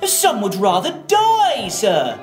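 An earnest gentleman collecting for charity acted by a woman in a puppet show. The address is formal and deferential, with big rises and falls in pitch. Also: huge pitch swings, takes it slowly, reverberant, faint music behind. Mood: grave. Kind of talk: children's puppet-show storytelling.

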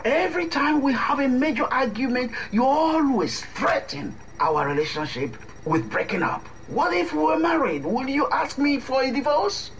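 A man's voice: very high voice, big pitch swings, moderate pace, hardly any pauses, a bit bright, muffled recording, slight background noise, exaggerated voice. A man playing a defensive, sarcastic young boyfriend in a radio drama, with an argumentative manner. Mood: indignant. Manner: indignant, sarcastic.

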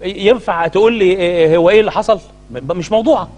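Middle-aged Egyptian male cleric, talk-show co-host; high-pitched, rapid, indignant delivery. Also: darkish tone, soft background music. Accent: Egyptian Arabic. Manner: indignant, hammering rhetorical questions. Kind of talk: heated studio talk-show commentary.

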